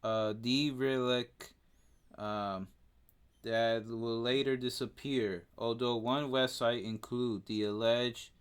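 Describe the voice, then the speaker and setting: Co-hosting a casual podcast, a native Spanish-speaking man with a Spanish accent reads out facts haltingly, tripping over names and using lots of fillers. His voice is medium-pitched, steady, and clean.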